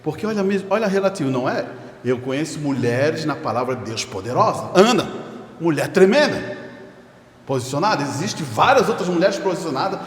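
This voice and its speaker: Brief: male preacher, animated, chuckling, direct; long reverb of a church sanctuary. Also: on the high side, fairly quick. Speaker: pastor. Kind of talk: sermon. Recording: echoey church hall reverb.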